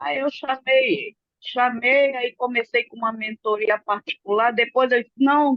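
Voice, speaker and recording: A woman speaks at a fairly slow pace with a high-pitched voice. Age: 60s. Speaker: study group participant. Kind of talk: casual group discussion.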